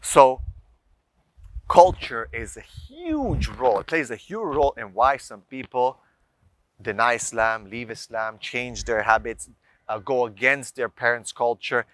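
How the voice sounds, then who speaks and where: A man's medium-pitched, fairly bright voice comes through with no echo. Addressing viewers in an informal explanatory lecture, he offers religious advice emphatically, posing rhetorical questions and listing examples.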